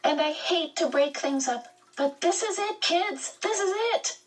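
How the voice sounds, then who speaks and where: A woman reading aloud, voicing an excited, precocious young boy whose voice quivers with excitement. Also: high-pitched, slow pace, distant mic, pitched above the performer's own voice.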